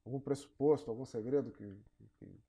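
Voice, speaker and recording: A man's voice: mid-range voice, steady tone, brisk, gravelly, dark tone, breathy edge, lo-fi sound. A man with a Brazilian accent interviewing, asking short follow-up questions. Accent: Brazilian Portuguese. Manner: brief prompts and follow-up questions. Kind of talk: oral history interview.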